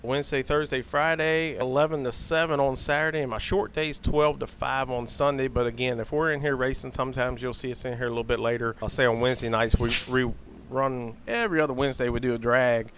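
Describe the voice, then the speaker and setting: A man's voice: mid-range voice, fairly even intonation, fast talker, few pauses, fairly bright tone, a little hiss or hum. A man who runs a hobby shop, talking in an easygoing way with fillers in a casual chat.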